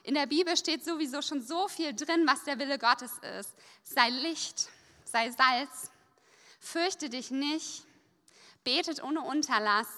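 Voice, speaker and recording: A woman preaching a sermon in a lively, conversational way, pausing so an interpreter can follow. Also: high-pitched. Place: church service hall. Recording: long reverb of a church hall.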